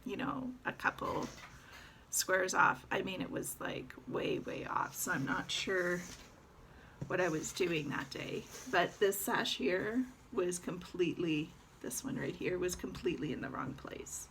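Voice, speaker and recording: A cross-stitch vlogger talks through her stitching projects in a casual show-and-tell chat that's relaxed, rambling, and full of little fillers. Her fairly low voice moves a little slowly, with a gravelly fry at the edges and a faint hiss beneath the recording.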